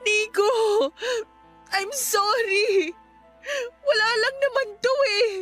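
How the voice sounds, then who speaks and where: A woman's voice: extremely high pitch, slow, exaggerated voice. A woman playing a conflicted young woman in a Tagalog radio drama love story. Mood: panicked, tearful. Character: conflicted young woman caught cheating on her fiancé. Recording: soft music bed underneath.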